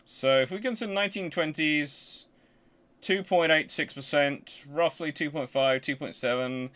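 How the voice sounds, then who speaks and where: A man's voice: on the high side, fairly bright tone. Man thinking aloud as he explains. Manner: conversational, halting, muttering to himself while working. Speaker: history channel host.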